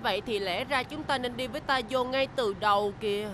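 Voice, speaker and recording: Woman doing a high, hesitant, gentle boy bus. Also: brisk, noisy background, lightly acted. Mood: agreeable. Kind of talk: animated children's cartoon dubbing.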